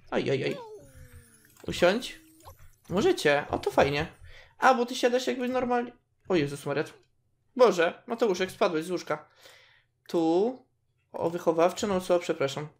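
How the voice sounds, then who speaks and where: A woman's voice: fairly low pitch, expressive, moderate pace. A woman casually commenting on her game, chatting to her characters and reacting as she plays. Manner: chatty, talks to her game characters, squeals at cute moments. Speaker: gaming video host.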